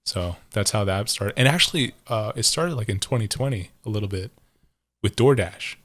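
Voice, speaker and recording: Rambling, animated male podcast co-host. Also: fairly low pitch, moderate pace. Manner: rambling, animated, swears casually, laughs easily. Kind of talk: casual podcast chat.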